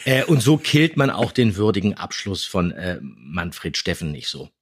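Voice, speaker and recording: A man's voice: deep voice, sing-song, measured pace, slightly rough. A man co-hosting a podcast in casual chat, teasing and wry. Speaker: podcast co-host.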